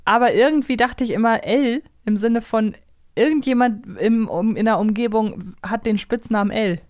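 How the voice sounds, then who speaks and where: Dry-recorded higher-voiced woman co-host. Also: normal speed, a little mellow, no room sound. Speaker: podcast co-host. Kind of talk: casual chat.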